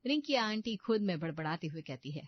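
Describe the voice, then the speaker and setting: A woman's voice: medium pitch, big pitch swings, a little fast. Woman narrating a cartoon story. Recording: dull lo-fi dry recording.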